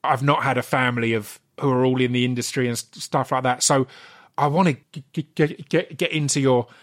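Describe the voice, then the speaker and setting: Essex man, interview host, mid-pitched, eager and stumbling. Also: fairly even intonation, fairly quick. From Essex, England. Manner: enthusiastic, stumbling over words. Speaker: podcast host. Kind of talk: casual interview chat.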